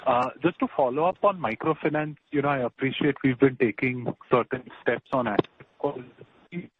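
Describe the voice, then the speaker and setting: A man's voice: medium pitch, normal speed. A man asking polite analyst questions on a conference call over the phone. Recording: tinny phone line with faint noise.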